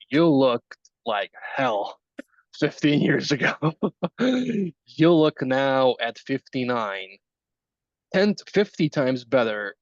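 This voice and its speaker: A man's voice: medium pitch, dry recording. A young man in his twenties talks casually, teasing and chatty, often restarting his sentences. His sound is dull and lo-fi, and the room is dry. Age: 20s. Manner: teasing, chatty, halting starts. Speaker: group participant. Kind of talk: casual chat.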